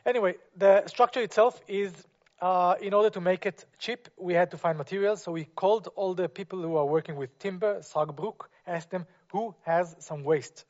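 A man with a slightly high voice talks through his architecture work in non-native English, pausing often on fillers and restarting his sentences. The sound is muffled, as if from a lo-fi recording of a lecture. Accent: non-native English speaker. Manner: hesitant, many fillers and restarts. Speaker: architect giving a talk. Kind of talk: presentation to an audience.

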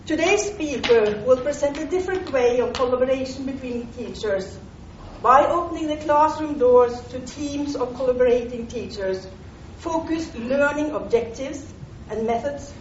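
A woman's voice: a little high, a little mellow, slight background noise. A woman hosting an event, formally introducing the guest speaker from a prepared text in a lecture hall. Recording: roomy, distant, muffled hall recording.

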